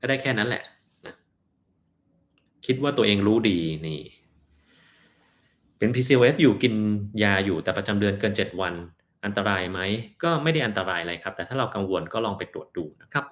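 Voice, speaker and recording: A man with a fairly low voice hosts a casual live-stream Q&A as a doctor, answering viewers' health questions. He talks in a blunt, offhand way and sometimes drifts into mocking asides. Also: lively intonation, brisk, fairly bright tone. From Thailand.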